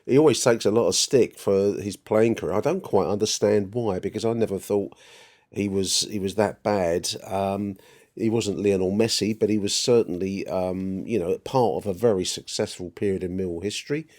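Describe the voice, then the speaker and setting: A man's voice: fairly low pitch, normal speed, darkish tone. A man hosting a football podcast, chatting through his opinions in a rambling way and repeating words as he thinks. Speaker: podcast host. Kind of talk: conversational football commentary.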